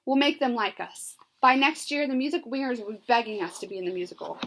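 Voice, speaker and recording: A woman's voice: lively intonation, fairly bright tone, slight background noise. Woman doing a whiny, dramatic teenage girl. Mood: apologetic, scheming. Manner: high, fast, complaining outbursts.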